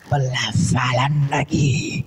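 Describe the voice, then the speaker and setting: A man's voice: medium pitch, steady tone, slow pace, a crowd in the background. Insistent hectoring man debating. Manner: insistent, repeats himself, hectoring. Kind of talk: heated live religious debate. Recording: echoey, dull lo-fi stream with faint noise.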